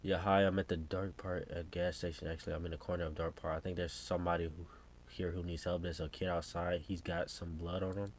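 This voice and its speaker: A man's voice: deep voice, level tone, brisk, a little hiss or hum, lightly acted. An American man voicing an uneasy gas station worker in a horror game, hesitant and rambling as he calls for help. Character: uneasy, spooked young male gas station worker calling emergency line. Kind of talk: reading game subtitles as dialogue.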